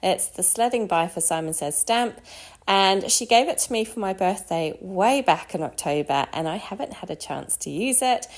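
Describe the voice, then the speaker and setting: A woman with a croaky voice from a cold, chatting casually through a card-making voice-over with frequent ums. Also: medium pitch, animated, normal speed.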